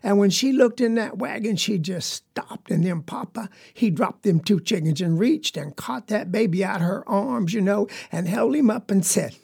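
Sincere poor Southern farm boy, told by a man, rural drawl, rambling, creaky husky tone. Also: high voice, animated, moderate pace, few pauses, a little mellow, exaggerated voice. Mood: eager. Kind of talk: storytelling monologue.

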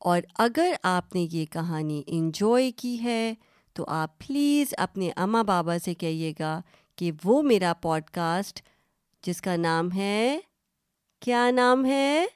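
A woman's voice: fairly low pitch, expressive, clear, resonant tone, no echo, studio quality. A woman hosting a children's story podcast, telling stories and quizzing young listeners in a friendly, teacherly way that mixes Urdu and English.

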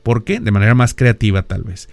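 Fairly low-pitched, brisk and creaky, this man's voice is recorded dry. He is a middle-aged podcast host from Mexico whose northern Monterrey accent colors his lecturing explanations, which are peppered with rhetorical questions and "¿verdad?".

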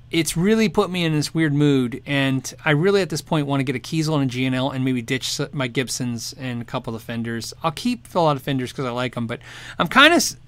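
On a casual live chat for his guitar show, a man with a somewhat high, slightly bright voice fields viewer questions. He rambles, restarts his sentences, and laughs frequently, with no room sound in the recording.

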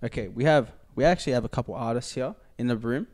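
A man's voice: mid-range voice, quick pace, darkish tone. A young man hosting a casual chat, reading out questions in a laid-back, teasing way.

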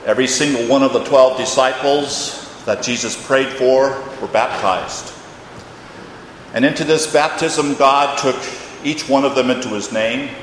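In a church during a service, an older man who is a retired pastor prays and reads a sermon with solemn, emphatic phrasing. His voice sits in the mid-range and is a bit bright. The hall is echoey with long reverb and faint noise.

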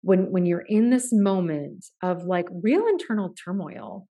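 A woman hosting an interview in a low, mellow voice. She asks curious, probing questions in long, winding sentences, often restarting as she builds to the point. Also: animated, unhurried. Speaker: podcast host. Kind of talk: conversational interview.

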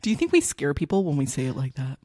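A woman's voice: low voice, wildly swooping pitch, quick pace, darkish tone, husky, no room sound. A woman co-hosting a podcast in a bubbly casual chat, laughing often. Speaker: podcast co-host.

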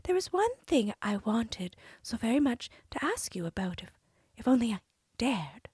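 A woman's voice: a little high, big pitch swings, normal speed, darkish tone, husky, no echo, clean studio sound, pitched above the performer's own voice, exaggerated voice. A woman doing a sweet wheedling princess. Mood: coaxing. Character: young princess, coaxing and cunning.

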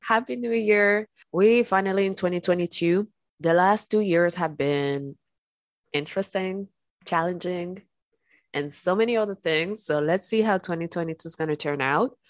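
A woman hosting a spiritual podcast, talking gently and calmly while congested from an illness. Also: on the low side, moderate pace, no echo. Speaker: podcast host. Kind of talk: calm spiritual podcast talk.

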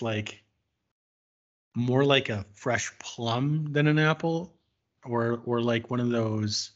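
A man's voice: medium pitch, dull audio. A man hosting a casual whiskey tasting, thoughtful and searching for words, with frequent fillers.

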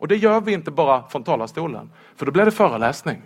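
Male preacher, high-pitched, playful sermon with rhetorical questions. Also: husky. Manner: lively, humorous, asks rhetorical questions. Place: church.

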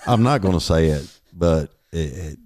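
A middle-aged man with a very deep voice hosting a podcast, chatting in a rambling, laid-back way. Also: expressive, normal speed, a little mellow, no echo. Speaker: podcast host. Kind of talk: casual chat.

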